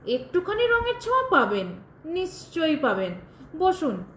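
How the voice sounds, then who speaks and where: A woman's voice: very high voice, huge pitch swings, moderate pace, a bit bright, full character voice. An actress playing a bitter, sardonic widow who tells her tragic story in a pointed, dramatic way in an audio drama. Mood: sly, taunting. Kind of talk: Bengali audio drama acting. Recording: roomy echo, faint background noise.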